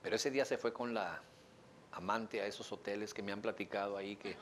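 A man's voice: lowish voice, steady tone, brisk, fairly bright tone. Playful Mexican man lecturing an audience. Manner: playful, joking, asks the audience questions. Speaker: speaker teaching an audience. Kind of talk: lively lecture to a live audience.

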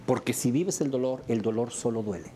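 A Mexican therapist with a mid-range voice gives a talk to a live audience, speaking a little fast. His delivery is animated and theatrical, leaping suddenly high in pitch as he acts out everyday examples, while a faint hum sits underneath.

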